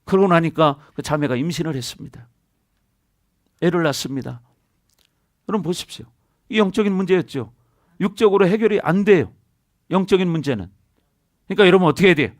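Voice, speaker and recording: A high-pitched man preaches a sermon, repeatedly prompting his congregation for answers and amens. His voice is captured close and dry, with almost no room sound around it. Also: animated, a little fast, pauses often, no echo. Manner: preaching with call-and-response to the congregation. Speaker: senior pastor. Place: church sanctuary.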